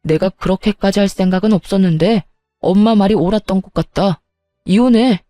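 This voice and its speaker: A woman's voice: medium pitch, brisk, mellow, dry recording, clean studio sound, soft background music, close to an everyday voice. A woman doing a cold, dismissive husband. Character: self-righteous husband, young married man.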